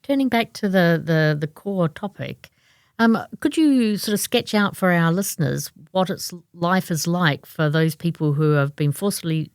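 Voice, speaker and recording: A woman hosting an interview podcast, asking questions in a measured way with some fillers. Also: lowish voice, clear, resonant tone, no room sound, studio quality. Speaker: podcast host.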